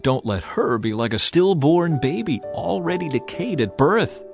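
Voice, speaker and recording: Guy playing a penitent bible man, anxious and begging, lively pitch, music in back. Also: a little slow, creaky, full character voice. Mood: desperate pleading. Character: Aaron, anxious, penitent brother of the prophet.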